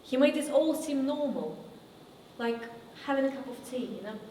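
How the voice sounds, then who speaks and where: A woman acting a theatrical monologue as a haunted woman looking back on her past, with deliberate, halting delivery. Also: high-pitched, animated, dark tone. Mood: subdued, uneasy. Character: woman recounting childhood memories, wry then wounded and haunted. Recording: echoey reverberant room, distant mic, faint noise.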